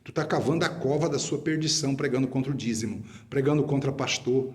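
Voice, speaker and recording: A man's voice: mid-range voice, fast talker, a little mellow. A man preaching a sermon as an apostle, emphatic and rebuking, repeating phrases for stress.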